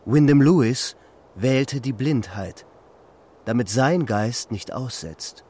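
Grave verse reader, radio play: middle pitch, slow poetic recitation. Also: male voice, warm tone, slightly rough.

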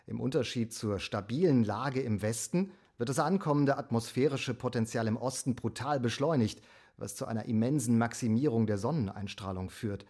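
Man as a husky, self-important weatherman. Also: medium pitch, normal speed, a little mellow, close to an everyday voice. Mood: solemn announcing. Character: self-important veteran male weather presenter, rivalrous and pushy. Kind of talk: radio comedy with mock weather report.

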